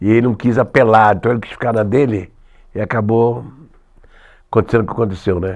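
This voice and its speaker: Talking at a very fast pace yet with long, frequent pauses, a man keeps his intonation fairly even. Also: medium pitch for a man. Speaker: former professional footballer. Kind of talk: live TV sports chat.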